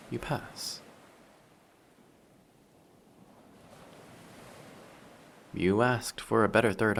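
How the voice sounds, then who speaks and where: Man playing a low, slow, dangerous sea monster. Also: creaky, slight background noise, full character voice. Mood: seductive, coaxing. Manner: measured, politely menacing, teasing. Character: flirty, dangerous, possessive male sea monster in human guise. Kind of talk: intimate roleplay audio drama.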